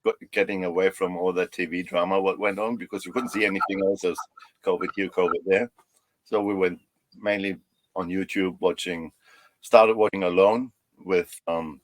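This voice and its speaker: A man with a German accent carrying a slight Australian lilt talks casually as a podcast guest. His voice sits fairly low and sounds dry and close. He is chatty and self-deprecating, laughing easily at himself. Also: dry recording. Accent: German with a touch of Australian. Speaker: guest slingshot maker.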